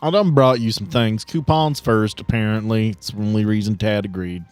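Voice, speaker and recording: A man's voice: on the low side, moderate pace, a little mellow, clear, resonant tone, dry recording, soft background music, natural voice. A man playing a folksy, crude and wary backwoods arms dealer with an American Southern drawl in a tabletop game. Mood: sly, boastful. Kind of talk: improvised tabletop role-play.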